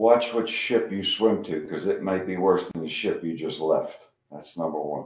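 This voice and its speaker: A man's fairly slow speech with vocal fry and an American accent. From western Pennsylvania (New Castle). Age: 50s. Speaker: mayoral candidate and businessman. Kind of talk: interview. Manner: energetic.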